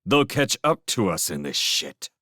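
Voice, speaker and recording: A man's voice: low voice, very animated, a little slow, bright, forceful tone, dry recording, clean studio sound, full character voice. A man voicing an irritable scout leader who snaps out commands urgently, in a dramatic audiobook style. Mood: urgent, snappish. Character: gruff, irritable male scout leader barking orders. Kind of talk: dramatic audiobook character acting.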